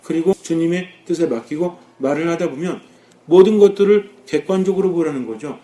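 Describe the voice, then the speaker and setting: A Catholic priest delivering a sermon in a somewhat high voice. He keeps throwing questions at his listeners and answers them himself. His delivery swings between lively, louder bursts and soft, low asides. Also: brisk. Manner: lively, rising and dropping with emphasis.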